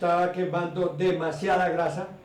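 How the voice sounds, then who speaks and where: At a fairly slow pace, a man with a high voice speaks through noticeable background noise and audible room echo. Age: 70s. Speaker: veterinarian. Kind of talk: educational talk. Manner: hesitant, with fillers.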